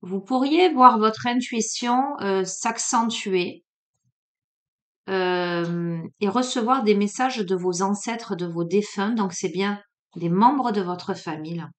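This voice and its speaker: Slow, unhurried woman with a southern French accent. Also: mid-range voice, a bit bright. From Marseille, France. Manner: hesitant, many fillers, drowsy and unhurried. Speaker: card reader. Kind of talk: casual oracle card reading.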